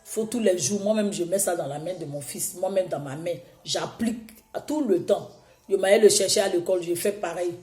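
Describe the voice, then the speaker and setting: A woman preaching a sermon, hoarse from a cold, exhorting her listeners with emphatic repetition. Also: lowish voice, a little fast, a little mellow, roomy sound, faint music behind.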